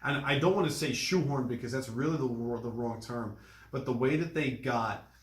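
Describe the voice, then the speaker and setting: A man's voice: mid-range voice, normal speed. Male film podcast co-host, middle register, explanatory casual delivery, roomy echoey sound.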